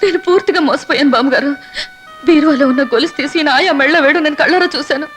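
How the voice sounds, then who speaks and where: A young actress playing a timid pregnant wife, pleading and tearful. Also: female voice, high-pitched, fast talker, fairly bright tone, soft background music. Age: young adult. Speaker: granddaughter-in-law. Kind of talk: film drama acting.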